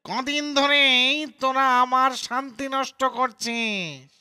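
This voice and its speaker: Spooky tree ghost for a kids cartoon, really high, bright, dragging out threats. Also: male voice, smooth, no room sound, clean studio sound, full character voice. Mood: menacing. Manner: drawn-out, threatening. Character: menacing lychee-tree ghost, put on to scare thieves. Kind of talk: animated children's cartoon acting.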